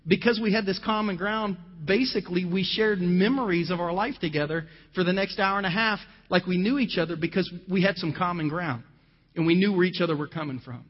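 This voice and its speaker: A man's voice: sits high, a little fast. A man from Ohio preaching a sermon as pastor, mixing scripture reading with conversational personal stories. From Ohio, USA. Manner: conversational storytelling with scripture quotes. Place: church. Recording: dull lo-fi sound with long hall reverb.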